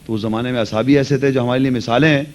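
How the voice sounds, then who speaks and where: A man's voice: medium pitch, steady tone, darkish tone, dull audio, a little hiss or hum. Earnest male lecturer. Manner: earnest teaching tone, mixes in English words. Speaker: Quran lecturer. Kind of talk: religious lecture and answers.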